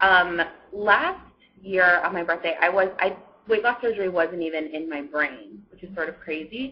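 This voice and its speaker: Speaking at a moderate pace, a woman uses a fairly low pitch with ordinary variation and big swings in loudness. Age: 20s. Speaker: video blogger. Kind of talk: casual vlog monologue. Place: home room. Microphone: webcam.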